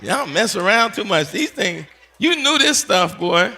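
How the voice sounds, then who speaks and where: Animated pastor with a high, bright voice. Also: male voice, measured pace. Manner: animated, teasing the audience with call-outs. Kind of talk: playful teaching session talk.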